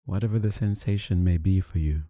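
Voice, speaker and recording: A man leading a guided meditation, giving soothing, unhurried instructions with long pauses between phrases. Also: low voice, mellow, dry recording, studio quality. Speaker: meditation teacher.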